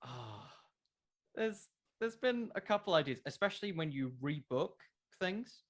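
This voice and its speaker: A man's voice: fairly high pitch, animated, a little slow. A man answering questions in a casual interview, thinking aloud and repeating words as he goes. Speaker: podcast creator, interview guest. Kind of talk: casual interview chat about wrestling fiction.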